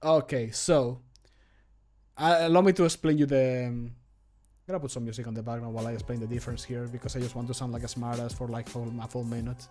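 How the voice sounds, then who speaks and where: A man's voice: medium pitch, little pitch movement, brisk, darkish tone, soft background music. A man in his thirties chatting casually on a livestream while he works, thinking aloud with self-deprecating remarks and some swearing. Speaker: streamer recording game mod voice lines. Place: small home room, indoors.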